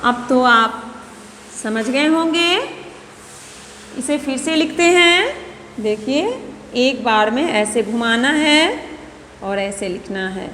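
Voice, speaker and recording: A woman's voice: fairly high pitch, expressive, slow pace, long pauses, fairly bright tone, reverberant, big-room sound, slight background noise. A woman teaching a nursery writing lesson, explaining each stroke patiently and repeating steps with coaxing questions to the children. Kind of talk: slow, patient classroom instruction.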